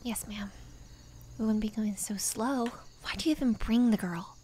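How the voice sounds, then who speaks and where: A woman's voice: medium pitch, normal speed, dark tone, natural voice. A woman playing a wary mafia subordinate who objects to her boss, in an audio roleplay. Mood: doubtful. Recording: clear background ambient noise.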